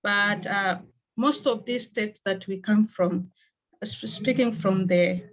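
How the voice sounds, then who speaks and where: A woman's voice: mid-range voice, slow pace, rough recording. Earnest Tanzanian woman at a meeting. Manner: earnest, with fillers and restarts. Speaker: NGO worker. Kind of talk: online meeting remarks.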